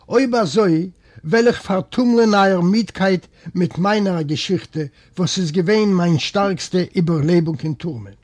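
A man voicing a worn-out male prisoner telling his story in a raised, louder tone with a husky voice. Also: high voice, measured pace. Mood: earnest.

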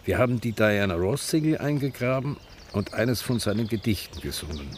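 A man's voice: fairly low pitch, lively intonation, a little fast, slight background noise, close to an everyday voice. An actor playing an ageing, defiant gay activist who tells of his grief with a Viennese accent, in a radio drama. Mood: sombre, mourning. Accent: Viennese Austrian. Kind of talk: radio drama monologue and dialogue. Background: music.

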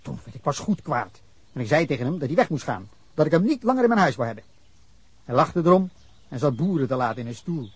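Recorded dry, a husky mid-range male voice moves fast with a sing-song quality. It is Dutch radio drama acting: the performer plays a defensive middle-aged man giving police an indignant, meandering account of a drunken brawl, broken by bursts of anger.

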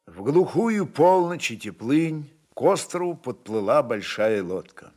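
A man narrating historical fiction in a measured, expressive, deliberate way. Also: mid-range voice. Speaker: narrator reading a literary work. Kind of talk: dramatic literary narration of a historical novel.

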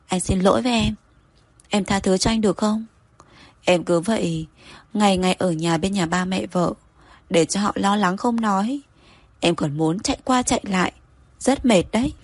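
A woman's voice: medium pitch, a little slow, pauses often, no room sound, lightly acted. Woman reading as a pleading young husband. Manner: soft wheedling pleading.

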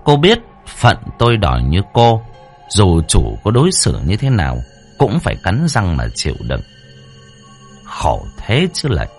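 A male storyteller with a lowish voice that swoops widely through each sentence. He narrates the tale dramatically, with soft music running underneath. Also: normal speed. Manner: expressive, rising and falling delivery. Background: faint background music.

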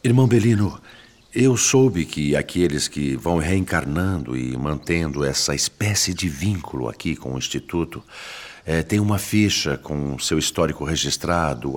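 A respectful spirit companion in a Brazilian radio drama. The voice is exceptionally deep, and he speaks in a formal, inquiring way.

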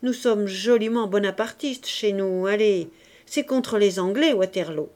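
A woman voicing a poor, brash young girl who chatters loudly and boastfully. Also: mid-range voice, measured pace, lightly acted. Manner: loud, eager, boastful chatter.

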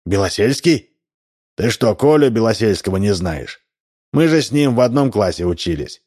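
A man's voice: lowish voice, lively intonation, normal speed, a little mellow, breathy edge. A man reading aloud and voicing a plainspoken middle-aged man, puzzled and indignant.

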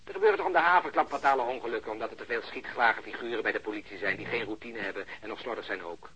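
A man playing a blunt, cynical policeman in a radio drama, talkative and sardonic, with a rough voice over a phone line. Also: medium pitch, racing, sharp tone, a little hiss or hum. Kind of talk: Dutch radio drama acting. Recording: muffled band-limited phone line.

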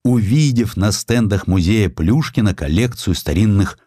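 A man narrating a historical story in an expressive, dramatic audiobook style with folksy irony, close to a studio microphone. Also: lowish voice, normal speed, no echo.

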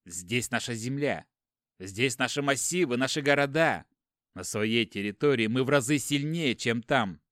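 A man's voice: mid-range voice, normal speed, no room sound, studio quality, close to an everyday voice. A man voicing an enraged captive warrior lord. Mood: pleading. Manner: shouting accusations, defiant. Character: furious captive warrior lord, grown man, hot-tempered.

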